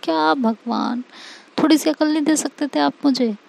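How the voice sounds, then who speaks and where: A woman's voice: high voice, moderate pace, creaky, a little mellow, voice pushed up, poor audio. A woman voicing a playful young woman who teases and coaxes her upset wife in a pleading, sing-song way. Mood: worried.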